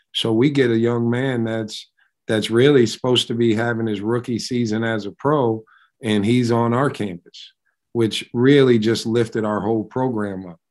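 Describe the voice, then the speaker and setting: Against a quiet background, a man with an American accent and an ordinary speaking voice talks at a moderate pace and a medium pitch, with fairly even intonation. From New York State (Binghamton). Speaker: college basketball head coach. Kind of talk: interview.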